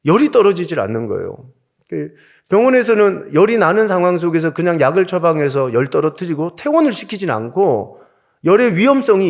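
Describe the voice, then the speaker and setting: A man's voice: on the high side, a little mellow. A middle-aged man from South Korea, a pastor preaching a sermon and telling a personal story with strong emotion.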